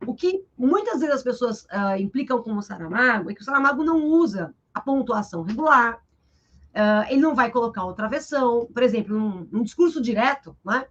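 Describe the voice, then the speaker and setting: A woman teacher with a Brazilian Portuguese accent, explaining literature in a live interview over a video call, in a lively, explanatory way that keeps checking in with her listener. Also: a little high, fairly quick, dull audio. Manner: lively and explanatory, tags sentences with "né?".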